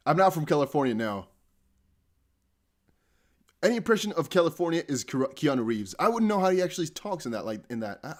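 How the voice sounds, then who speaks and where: Young man, from the Netherlands, casual livestream chat, rambling, slightly high voice. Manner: rambling, laughs often, many fillers. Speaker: crypto livestream host. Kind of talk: casual live stream chat.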